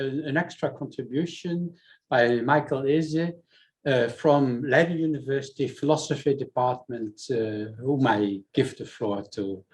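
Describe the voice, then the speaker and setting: A man chairing a seminar, introducing the next speaker in a halting way, with fillers. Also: mid-range voice, poor audio. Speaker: seminar moderator.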